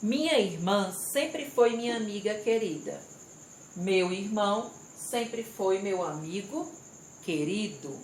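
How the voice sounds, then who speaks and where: A woman teacher walks young pupils through a lesson at an unhurried pace, spelling out syllables and reading the exercises aloud. Her voice sits in an echoey room with a faint hum of crickets behind it. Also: medium pitch. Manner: slow, step-by-step explaining, reading aloud and stressing syllables. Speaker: primary school teacher. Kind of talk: recorded remote class lesson.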